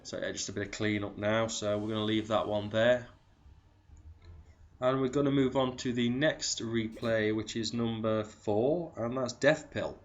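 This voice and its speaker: A man with a cold, sounding croaky and sniffly, casually commentating strategy game replays and calling out percentages. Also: on the low side, measured pace, muffled recording. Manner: relaxed, chatty, calls out percentages. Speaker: clan leader commentating war replays.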